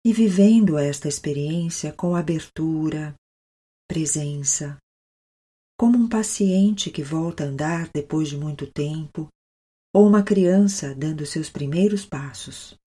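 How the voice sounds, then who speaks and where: Brazilian female meditation guide, soothing yoga-teacher delivery, mellow and breathy, pausing often. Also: deep voice.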